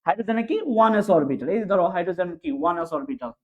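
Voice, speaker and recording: Man, chemistry teacher, high voice, tinny phone-like sound. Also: lively intonation. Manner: fast, repetitive question-and-answer drilling. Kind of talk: online exam-prep class.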